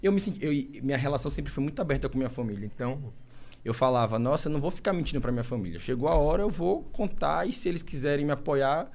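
A young man from Brazil talks rapidly as an interview guest. His voice sits a little high, and he breaks off, restarts and pushes on through an emotional personal account. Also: lively intonation, a little mellow. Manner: emotional, halting, many restarts and fillers.

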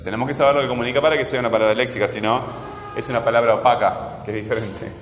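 A man teaching a grammar lesson one-on-one, repeating words slowly syllable by syllable and asking guiding questions. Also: mid-range voice, steady tone, roomy sound, big-room sound, soft background music. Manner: asks frequent guiding questions with "¿verdad?".

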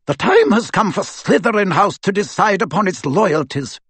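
A man's voice: sits high, lively intonation, normal speed, fairly bright tone, breathy edge, no echo, pitched above the performer's own voice, heavily acted. A man doing a stern, commanding old professor woman. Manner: clipped, fierce, commanding. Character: stern commanding older Scottish witch professor.

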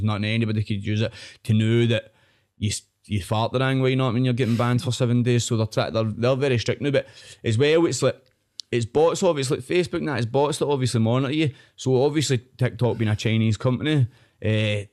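A man speaks in a thick, broad Glaswegian Scottish accent at a very rapid clip. His pitch is average, and he rambles through casual stories full of slang, swearing and conversational tags. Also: a little mellow. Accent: broad Scottish, Glasgow. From Scotland. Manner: rambling, slangy, sweary, frequent "know what I mean". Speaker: online food reviewer, podcast guest. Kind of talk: casual chat, storytelling.

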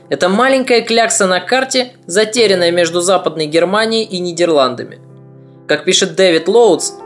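A man narrating a history podcast in a measured, slightly ironic, scripted storytelling way. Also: high voice.

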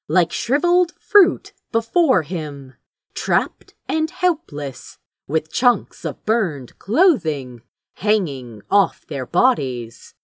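A woman reading fantasy fiction aloud with dramatic, expressive and deliberate narration. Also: medium pitch, no room sound, studio quality. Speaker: amateur audiobook reader.

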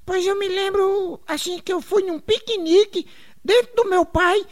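A man doing a squeaky cheeky schoolboy. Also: fairly even intonation, unhurried. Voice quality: squeaky high voice. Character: cheeky little schoolboy, smart-mouthed prankster.

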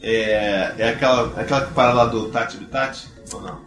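A man's voice: fairly low pitch, steady tone, a little fast, a bit bright, reverberant. A man hosting a casual interview, asking hesitant, self-deprecating questions. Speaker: podcast host.

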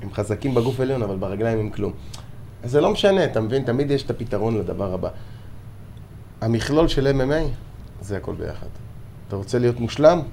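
A middle-aged man, a martial arts coach, guest in a casual interview, telling stories animatedly and acting out shouts and quotes. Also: mid-range voice, lively intonation, gravelly, long pauses, a little hiss or hum.

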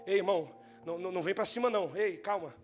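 A man's voice: high voice, very fast, soft background music, close to an everyday voice. A man doing a scared pleading coworker. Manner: hushed, nervous pleading.

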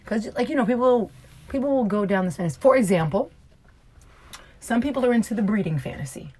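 A woman's voice: a little high, lively intonation, brisk, mellow, breathy edge. A woman co-hosting a casual, candid conversation, who explains things patiently and laughs easily. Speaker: podcast co-host. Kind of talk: frank casual chat.

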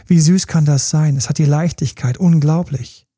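A man's voice: a little high, steady tone, normal speed, warm tone, husky, no room sound, clean studio sound. A man giving relationship coaching in a podcast monologue, talking straight to his listeners in a direct, informal way.

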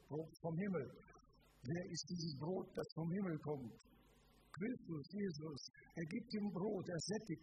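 A male preacher delivers an emphatic sermon and keeps putting direct questions to his congregation. His speaking voice sits fairly high. The live recording carries clear background noise. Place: church service before a congregation.

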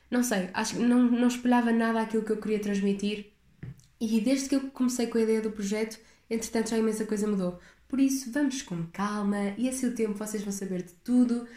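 A young woman with a European Portuguese accent hosts a casual solo podcast, rambling reflectively and often circling back to restart her thoughts. Her mid-range voice is mellow and soft-edged, and the room echoes.

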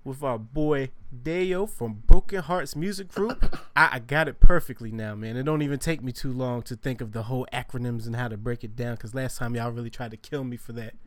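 An easygoing man hosts a casual podcast, greeting his audience and chatting with his guest. His voice sits at a medium pitch and the recording is dry and close, with no room sound. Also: brisk, few pauses, no echo. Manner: easygoing, hypes up the listeners. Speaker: podcast host.

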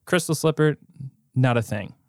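A man's voice: mid-range voice, moderate pace, darkish tone, no echo, clean studio sound. A man co-hosting a podcast, retelling a tale in a casual, comedic, informal way with free swearing. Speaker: podcast co-host.

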